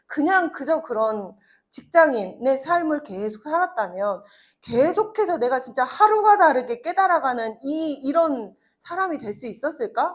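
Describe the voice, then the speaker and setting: A woman in her thirties giving a chatty motivational talk to an audience, telling personal stories with laughs and acted-out quotes. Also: high voice. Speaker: network marketing speaker.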